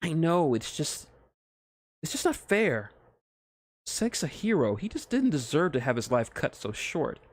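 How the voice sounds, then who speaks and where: A gentle young princess from a fan story, read by a man. She is caring, earnest and a little proper, with a teasing streak, pitched somewhat higher in a dry recording. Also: very animated, measured pace, dry recording. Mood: sad, earnest.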